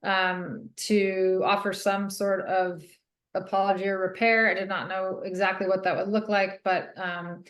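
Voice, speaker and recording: A middle-aged woman from Northern California, an author answering interview questions thoughtfully, with many pauses and soft laughs. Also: fairly low pitch, reverberant. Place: radio studio.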